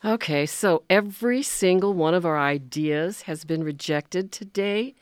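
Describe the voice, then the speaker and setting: Brief: woman as a deadpan volunteer, low voice, slow delivery. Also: clear, resonant tone, no echo, studio quality, natural voice. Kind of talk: radio comedy sketch acting.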